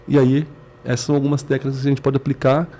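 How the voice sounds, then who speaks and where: A man's voice: mid-range voice, level tone, quick pace, dark tone, a little hiss or hum. A man with a Brazilian accent, a company CEO appearing as a guest, explaining his points earnestly in short stacked phrases. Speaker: guest, business management CEO. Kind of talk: explanatory interview talk.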